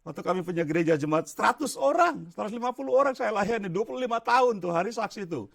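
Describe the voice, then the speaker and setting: An older pastor preaches in a church with a high, lively voice that leaps up and down. He keeps tossing questions to the congregation and drops English phrases into his sermon. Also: quick pace, vocal fry. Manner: animated preaching, quizzing the congregation.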